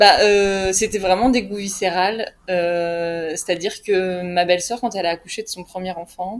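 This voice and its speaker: A woman with a medium pitch and fairly even intonation talks at a moderate pace. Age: 20s. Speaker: breastfeeding mother sharing her story. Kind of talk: interview testimony. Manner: hesitant, many filler words.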